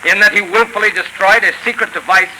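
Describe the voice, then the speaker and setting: A formal army captain reads out a verdict in a bright, high voice. He moves quickly and precisely, in 1930s radio drama fashion. Faint broadcast hiss sits beneath him. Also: steady tone, low-quality recording. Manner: formal, reading aloud.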